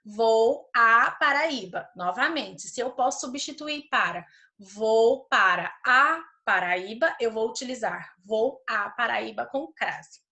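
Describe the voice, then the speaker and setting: A woman's voice: a little high, animated, sharp tone. Woman teacher. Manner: slow, deliberate reading of example sentences; checks understanding with "certo?". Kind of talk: recorded remote grammar lesson for children.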